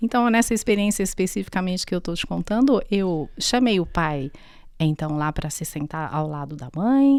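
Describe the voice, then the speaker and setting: Medium-pitched female speech at a moderate pace with very wide pitch swings, in a very clean recording with a silent background. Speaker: psychologist and obstetric nurse. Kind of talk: interview.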